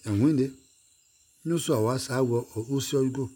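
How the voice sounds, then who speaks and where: A man with a husky, slightly breathy voice sings in a chant-like way, looping the same short phrases over and over. His pitch sits in an ordinary middle range for a man. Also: moderate pace, mellow. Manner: repeats short refrains over and over.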